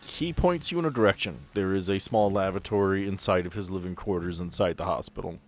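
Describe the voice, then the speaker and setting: A man acting as game master, narrating scenes of a tabletop game in a measured way. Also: sits low, soft background music.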